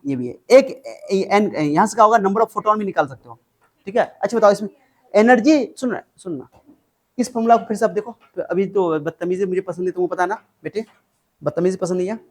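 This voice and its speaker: A man's voice: high voice, a little fast. A man tutoring chemistry, mixing in English terms, repeating formulas and scolding his student. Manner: mixes Hindi with English terms. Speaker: chemistry teacher. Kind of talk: informal tutoring lesson.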